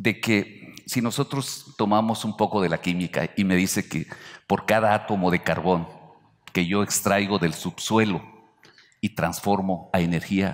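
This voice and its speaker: With an Oaxacan accent, a man speaks at a fairly slow pace and fairly low pitch. His intonation is fairly even and his loudness very even. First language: Zapotec (speaking Spanish). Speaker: research scientist; conference presenter. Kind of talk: conference lecture. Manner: halting, with repeated words. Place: hall. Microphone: headset.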